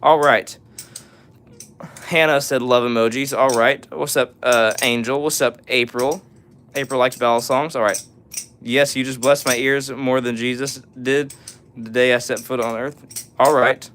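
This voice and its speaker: A raspy young man hosting a live stream, reading viewer messages aloud and answering them in casual talk with lots of "all right" and "uh". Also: mid-range voice, steady tone, measured pace, fairly bright tone, a little hiss or hum. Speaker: livestream host.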